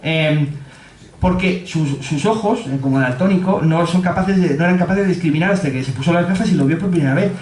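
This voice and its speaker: Spanish guy doing a funny talk in a pub, high voice, laughs a lot, roomy echo. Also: brisk, a little mellow, slight background noise. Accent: Spanish from Spain. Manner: jokey, laughs often, acts out quotes in a high voice. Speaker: speaker giving a public talk. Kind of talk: humorous storytelling talk. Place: pub with an audience.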